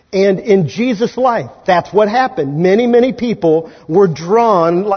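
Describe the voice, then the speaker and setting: A male pastor from Kansas preaching an Easter sermon in a conversational way, often checking in with listeners with a quick "right?". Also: high voice, breathy edge, big-room sound, muffled recording. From Kansas, USA. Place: large church sanctuary.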